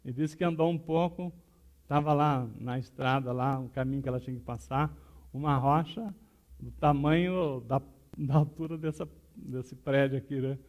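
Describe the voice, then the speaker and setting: A man's voice: medium pitch, steady tone, normal speed, dull audio. A pastor preaching a sermon in a conversational storytelling way, often tagging his phrases with questions.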